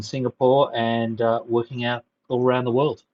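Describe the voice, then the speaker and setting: The sound is dry and close, with no echo. A man with an Australian accent speaks at a medium pitch and a fairly slow pace. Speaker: wargame designer. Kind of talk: interview.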